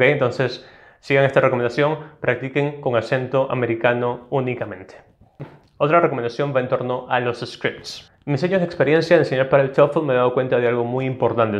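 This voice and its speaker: Male test-prep teacher, mid-pitched, instructive, tag questions, muffled lo-fi audio. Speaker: TOEFL teacher. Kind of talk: explanatory online lesson.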